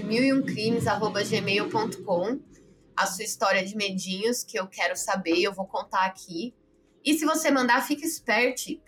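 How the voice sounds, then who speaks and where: A Brazilian woman with a Brazilian Portuguese accent, hosting a podcast and telling a story casually, animated, laughing and swearing freely. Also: medium pitch. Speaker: podcast host.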